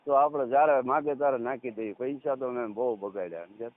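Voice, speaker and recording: A man in his thirties with a Saurashtra Gujarati accent, talking casually as a caller in halting, repeated short phrases. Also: medium pitch, no echo. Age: 30s. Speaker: caller, farmer. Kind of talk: casual phone conversation. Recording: tinny, narrowband phone call recording.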